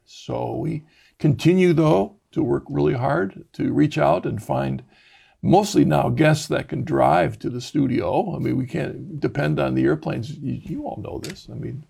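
A man's voice: mid-range voice, gravelly, darkish tone, breathy edge. A man hosting a talk show, chatting loosely and correcting himself as he goes. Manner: rambling, self-correcting. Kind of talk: conversational interview.

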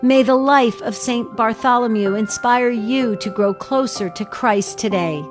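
A woman reading a scripted devotional segment in a measured, solemn way. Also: a little high. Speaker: announcer. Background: music.

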